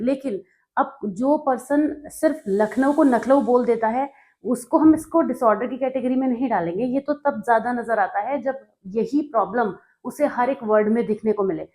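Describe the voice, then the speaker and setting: A woman's voice: a little high, normal speed, dark tone. A woman from North India, working as a tutor, explains study notes in a conversational way and often checks in with her listeners.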